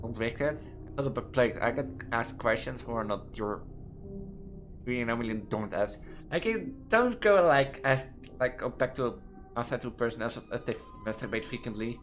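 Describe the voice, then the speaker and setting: A young trans woman with a Dutch accent, reading quiz questions aloud and answering them in a rambling, halting way that restarts words mid-sentence, from her student apartment. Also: rumbling low, lively intonation, faint music behind. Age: young adult. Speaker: gaming video creator.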